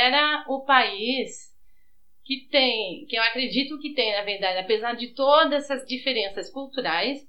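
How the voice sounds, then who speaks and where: A woman's voice: a little high, pushed and bright, dull audio, slight background noise. A woman from France with a Brazilian Portuguese accent, talking in an explanatory, informal way as an interview guest. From France, grew up on the outskirts of Paris. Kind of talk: informal interview, telling life story.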